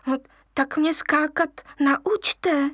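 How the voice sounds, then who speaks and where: A woman's voice: high-pitched, a bit bright, no room sound, clean studio sound, pitched above the performer's own voice. A woman voicing an eager little male lion cub who coaxes and pleads. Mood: coaxing. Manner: wheedling, pleading.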